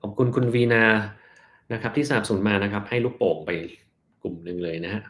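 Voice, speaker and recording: A man, a doctor, reads out viewers' health questions on a live stream and answers them in a plain, relaxed way, slowing down to explain terms. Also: on the low side.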